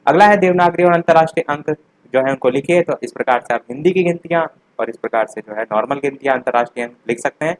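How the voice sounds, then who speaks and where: A man's voice: mid-range voice, quick pace, low-quality recording. A young man teaching a revision lesson for a teaching exam, explaining each answer plainly, talking straight to the students and repeating the key points.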